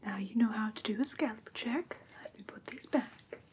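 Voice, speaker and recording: A woman playing a gentle, prim vampire teacher in whispered ASMR roleplay, breathy and careful, close to the microphone. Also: a little high, moderate pace, a little hiss or hum, natural voice. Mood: calm, attentive. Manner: soft, careful, instructive, politely formal. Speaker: ASMR performer.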